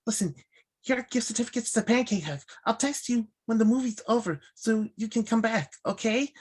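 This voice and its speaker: A woman playing an awkward, eager young male horror-film fan in a screenplay table read, talking in a halting, rambling way. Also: fairly high pitch, darkish tone, husky. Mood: eager, confiding.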